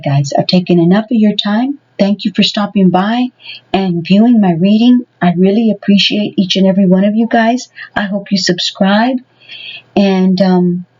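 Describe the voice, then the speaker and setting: A woman at a middle pitch gives a relaxed tarot reading straight to her viewers. She rambles along and leans on "you know" between thoughts. The sound is dull and lo-fi, like a simple home recording. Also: husky. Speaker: tarot reader.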